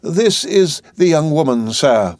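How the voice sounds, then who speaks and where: Fussy middle-aged housekeeper, raised pitch, hesitant and respectful, voiced by a man. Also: animated, slow pace, darkish tone, dry recording. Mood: resigned. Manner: hesitant, deferential.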